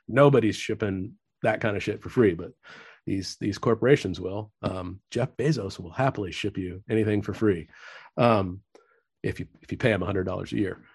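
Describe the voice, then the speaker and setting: Somewhat breathy speech with an American accent moves at a moderate pace. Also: man, fairly low pitch for a man, ordinary pitch variation. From Arizona, US. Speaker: former music industry worker, wellness content creator. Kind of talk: casual interview. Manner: halting, many repetitions.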